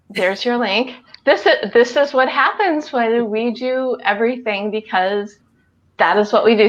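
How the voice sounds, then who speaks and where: A woman's voice: on the high side, fairly bright tone, highs cut off. Upbeat chatty woman hosting a video chat. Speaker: host. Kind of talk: casual live video chat. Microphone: video call.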